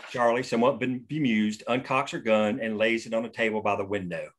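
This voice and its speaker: A man reads a screenplay's action lines aloud at a table read, steady and matter-of-fact. His voice sits somewhat low. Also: fairly quick, slight background noise. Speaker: stage direction reader.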